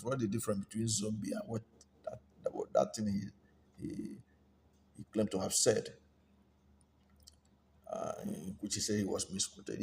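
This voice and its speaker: Nigerian male commentator, lowish voice, deliberate and halting off-the-cuff delivery, noticeable background noise. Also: vocal fry. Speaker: political commentator. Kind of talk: unscripted political commentary. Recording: steady background noise, room ambience.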